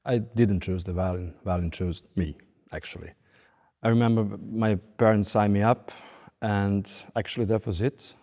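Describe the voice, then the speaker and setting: A man in his late thirties with a Serbian accent, speaking as an interviewed musician in short, deliberate phrases. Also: lowish voice, fairly even intonation, warm tone. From Belgrade, Serbia. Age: late 30s. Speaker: professional orchestral violinist being interviewed. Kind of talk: interview monologue. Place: large recording hall. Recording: long hall reverb.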